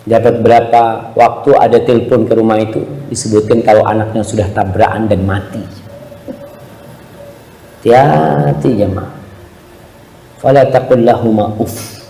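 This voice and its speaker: A man preaching a sermon to a congregation in an animated way, often slipping into voices when he quotes people. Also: lowish voice, moderate pace, gravelly, long pauses, slight background noise. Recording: echoey hall with long reverb.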